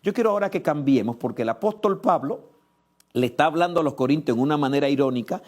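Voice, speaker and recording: A male pastor preaching a sermon in church. He swings between low, measured passages and loud, impassioned stretches, and he piles up short repeated phrases. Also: lively intonation. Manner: lists things in rapid repeated phrases.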